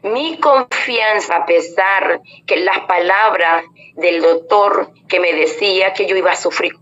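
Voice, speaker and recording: A woman's voice: lowish voice, a little slow, fairly bright tone. A woman giving an earnest spoken religious testimony, addressing her listeners as brothers and sisters and retelling conversations in quoted speech. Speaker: church member giving testimony. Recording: dull lo-fi audio with faint noise.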